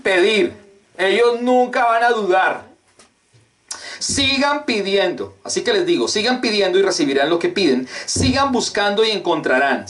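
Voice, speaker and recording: A male pastor preaching a sermon with emphatic, emotional delivery, repeatedly throwing questions at his congregation. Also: high voice. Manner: rhetorical call-and-response questions.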